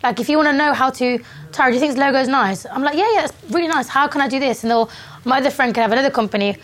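A woman's voice: high voice, rapid-fire, fairly bright tone. A confident young woman speaking forthrightly as a guest in a casual interview. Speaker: guest, agency founder. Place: Dubai.

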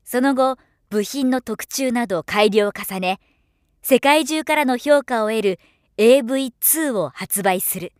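A middle-aged woman voiceover professional reading scripted narration with polished, clearly articulated delivery. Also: a little high, measured pace, darkish tone, no room sound. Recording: dry studio voice recording.

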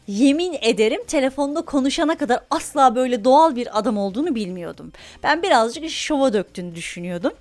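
A young woman hosting a podcast, telling a story in a chatty, animated way and laughing often. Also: on the high side. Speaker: podcast host. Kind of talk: casual storytelling monologue.

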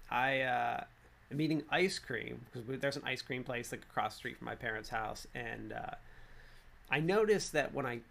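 A man's voice: mid-range voice, creaky. A man in his thirties chatting casually in a rambling vlog, with lots of fillers and restarts. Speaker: vlogger.

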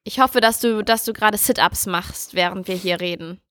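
A woman's voice: mid-range voice, normal speed, a bit bright, dry recording, studio quality. A woman in casual chat, teasing and encouraging her friend.

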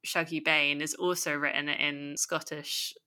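A woman's voice: sits low, flat delivery, a little slow, pushed and bright. A woman with a London accent talking thoughtfully about a book on a podcast, with light laughs. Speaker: podcast co-host. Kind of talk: casual book discussion.

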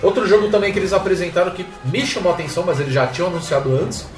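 A man's voice: high-pitched, rapid-fire, reverberant. Laid-back guy on a games podcast, kinda far from the mic, music going. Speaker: podcast co-host, games journalist. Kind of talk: casual podcast chat.

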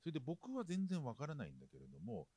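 A man as a podcast guest, talking in a measured way with drawn-out fillers while posing questions. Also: medium pitch, wildly swooping pitch, dark tone, no room sound. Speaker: broadcast writer, podcast guest. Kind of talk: casual chat.

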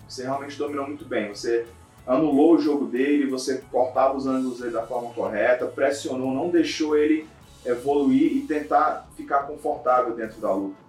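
A man, interviewing a fighter in a relaxed, chatty way. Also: mid-range voice, far from the mic. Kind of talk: casual interview. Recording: roomy, off-mic with music behind.

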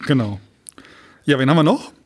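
A man's voice: mid-range voice, expressive, a little fast. Male podcast co-host, middle-range voice, casual conversational delivery.

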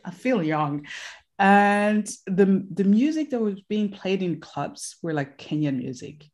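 A middle-aged woman with a Burundian accent in a casual podcast chat, animated and halting, with frequent exclamations. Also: mid-range voice.

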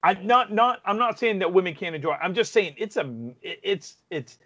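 Casual host, late 40s male, blunt and profane, fairly high voice, dull dry recording. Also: a little fast, fairly bright tone, no echo. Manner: blunt, swearing, restarts often. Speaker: podcast host. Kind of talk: casual chat.

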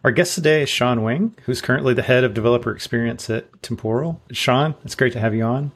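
Husky-voiced male podcast co-host. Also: medium pitch, a little fast. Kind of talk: casual podcast hosting.

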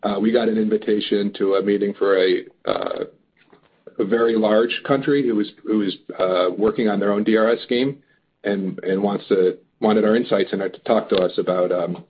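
A man answering as a company executive on an earnings call, halting but upbeat and emphatic. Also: fairly low pitch, steady tone. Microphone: phone or conference call line. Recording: muffled narrow phone line.

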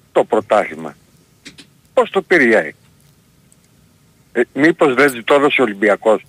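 A man calling in to a radio show, speaking haltingly and deliberately. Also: mid-range voice, a bit bright, no room sound. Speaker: caller. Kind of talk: phone-in comment.

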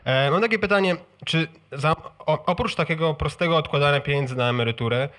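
A man in an audience putting a spontaneous question in halting, careful phrases. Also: fairly high pitch, fairly bright tone. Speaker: audience member asking a question.

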